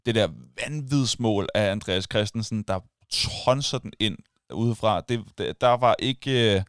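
A man co-hosting a casual chat, telling a story with energy and acting out the shouts of others. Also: fairly low pitch, clean tone, no echo, studio quality. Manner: animated storytelling, acts out crowd shouts.

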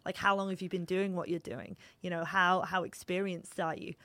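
A woman's voice: lowish voice, little pitch movement, normal speed, bright, forceful tone, no room sound. A woman in her thirties, a startup founder, talking animatedly in a casual interview with many fillers and restarts. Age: 30s.

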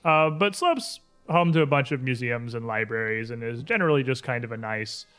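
Bright-voiced man running a tabletop game. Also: mid-range voice, a little fast, clear, resonant tone, soft background music. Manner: informal, descriptive, animated asides. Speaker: game master. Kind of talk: improvised tabletop game narration.

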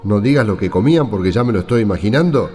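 A man's voice: lowish voice, expressive, fast, warm tone, close to an everyday voice. An Argentine man playing a talkative disciple who interrupts and comments wryly in an amateur radio play. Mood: cheeky, impatient. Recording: long reverb, music behind.

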